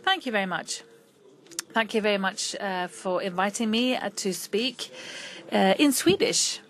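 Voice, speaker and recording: A woman interpreting a conference talk in real time, her pitch sitting in an ordinary middle range. She moves forward in bursts and stalls on fillers, restarting phrases as she catches up with the speaker. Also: lively intonation. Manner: halting, frequent fillers and restarts. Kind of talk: simultaneous interpretation of a lecture.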